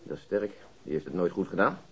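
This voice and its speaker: An actor playing a querulous, nagging police detective in a radio crime drama. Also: male voice, low-pitched, lively intonation, fast, slightly rough, muffled recording. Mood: grumbling.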